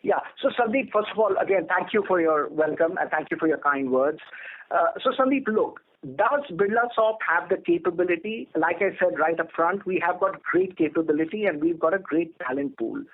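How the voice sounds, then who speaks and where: A man speaking as a company executive, answering on an earnings call in a measured, emphatic corporate manner. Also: high voice. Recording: narrow telephone conference line.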